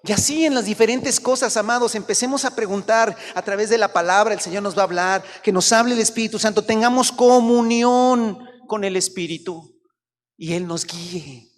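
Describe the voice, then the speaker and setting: A man preaching a sermon as pastor, acting out little dialogues in animated voices that rise to shouts. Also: high-pitched, moderate pace. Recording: long hall reverb.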